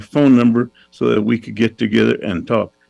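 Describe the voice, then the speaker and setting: A man speaks at a medium pitch with lively intonation. His voice carries some vocal fry. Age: 70s. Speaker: neighborhood association president. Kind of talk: public comment. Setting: video call. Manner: halting.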